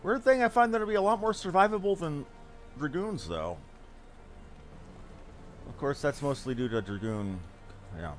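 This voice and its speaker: A man's voice: on the high side, lively intonation, moderate pace, long pauses. A man giving casual, rambling gameplay commentary as a streamer, thinking aloud as he goes. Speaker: game streamer. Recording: game music behind voice. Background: video game music.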